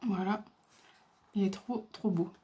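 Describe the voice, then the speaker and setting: A woman who hosts crafting videos shows off her supplies in a casual show-and-tell filmed at home with a camera mic. Her voice is mid-range and mellow, steady in tone, and she keeps a measured pace. She hesitates a lot and fills gaps with fillers.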